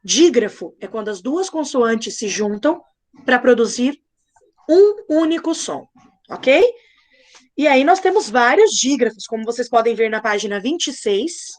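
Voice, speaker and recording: A young woman teaching a live online class to children, patient and playful, slowly spelling things out. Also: on the high side, expressive. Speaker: primary school teacher.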